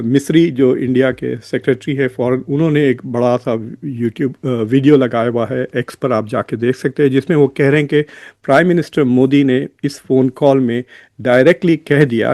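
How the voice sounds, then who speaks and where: Mellow Indian man hosting political commentary. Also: medium pitch, dry recording, studio quality. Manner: code-switches between Hindi and English. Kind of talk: informal news commentary to viewers.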